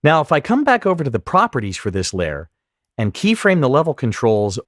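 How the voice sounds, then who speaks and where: A man giving step-by-step instructional narration as a software tutorial instructor, explaining clearly what he does on screen. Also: medium pitch, wildly swooping pitch, brisk, dry recording, studio quality.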